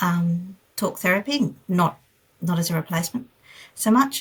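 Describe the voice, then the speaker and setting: Lively intonation runs through this voice, in an Australian accent. The pace is moderate. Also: woman. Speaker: art therapist. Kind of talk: casual chat. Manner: halting.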